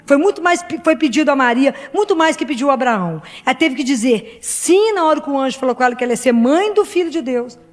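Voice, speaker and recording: A woman's voice: sits high, lively intonation, fast talker, hardly any pauses, soft background music. A middle-aged woman preaching a heartfelt sermon to her congregation. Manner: earnest, heartfelt, speaks directly to the congregation.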